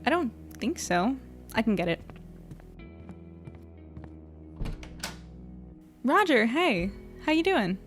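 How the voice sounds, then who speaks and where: A woman's voice: fairly high pitch, sing-song, normal speed, faint music behind. A woman playing an earnest, tired young woman reporter in an audio drama, with dialogue and first-person narration. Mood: warm, sincere.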